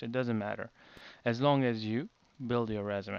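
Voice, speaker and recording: Against a quiet background, a man of medium pitch with a non-native accent speaks at a moderate pace. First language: not English. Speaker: IT trainer. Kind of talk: tutorial. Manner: casual, conversational.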